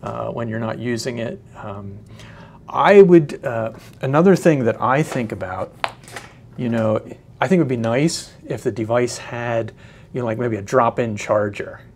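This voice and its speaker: Guy doing an offhand gear review, average pitch, kinda halting and hunting for his words. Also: darkish tone, slight background noise. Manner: hesitant, halting, often searching for words. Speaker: product reviewer. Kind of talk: casual unscripted product demonstration.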